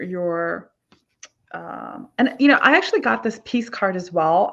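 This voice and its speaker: A woman from Ukraine hosting a live online tarot reading, chatty with many fillers. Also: medium pitch. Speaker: host. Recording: dull lo-fi sound.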